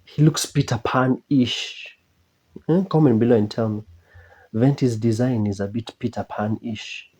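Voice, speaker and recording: Someone reacting to videos, medium pitch, hesitant, repeats stuff, just chatting. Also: darkish tone, slightly rough. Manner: hesitant, halting, repeats phrases. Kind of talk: casual reaction commentary.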